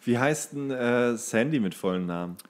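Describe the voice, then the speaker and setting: A man's voice: medium pitch, expressive, normal speed. A man co-hosting a casual podcast, reading entries aloud and now and then stumbling over the words. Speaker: podcast co-host.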